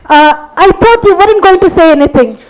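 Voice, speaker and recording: Woman acting very high-pitched, defensive oddball. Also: fairly quick, rough recording. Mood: precise. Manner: hesitant, defensive. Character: odd, defensive lift-loving woman, polite but stubborn. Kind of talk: staged reading of a comic play. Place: live stage at a literature festival.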